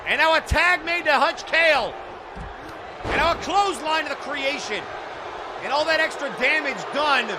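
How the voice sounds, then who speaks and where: A man calls live wrestling in a very high, strained shout, excitedly exclaiming at the action and the referee. A loud crowd and noise surround his voice. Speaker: wrestling play-by-play commentator. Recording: noisy event audio with loud crowd. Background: crowd noise and slamming thuds.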